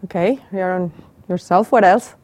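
A woman's voice: fairly low pitch, normal speed, darkish tone, no echo. Argentine woman lecturing a small group. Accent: Argentine Spanish. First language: Spanish. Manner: asks the audience questions and repeats their answers. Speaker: professor giving a talk. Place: small room with a live audience. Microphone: handheld mic.

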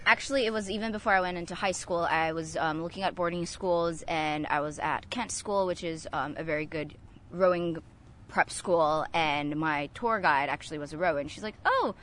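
Bright-voiced young woman, filler-heavy. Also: fairly low pitch. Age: young adult. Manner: lots of um fillers, chatty and upbeat. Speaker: coxswain on a college rowing team. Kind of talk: interview answers.

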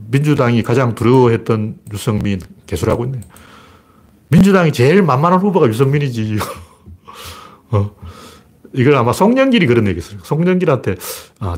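Male pundit, husky voice, lively swings in pitch, sarcastic casual delivery. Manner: sarcastic and mocking, with scoffing asides and short laughs. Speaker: political commentator. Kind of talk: casual spoken commentary.

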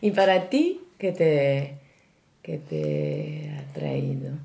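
Woman, interviewer, very low voice, slow, hesitant, casual chat. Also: gravelly, mellow. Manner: slow and hesitant, apologizing for her Spanish.

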